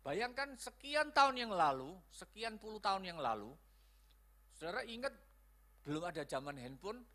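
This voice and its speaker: A man's voice: high voice, sing-song, normal speed, sharp tone. A man preaching a sermon as pastor, acting out quoted lines in changed voices. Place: church hall.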